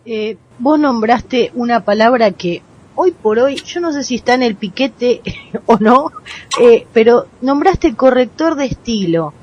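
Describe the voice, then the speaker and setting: A woman's voice: a little high, animated, a little slow, a little mellow, dull audio. A woman with an Argentine accent interviewing conversationally as a radio host.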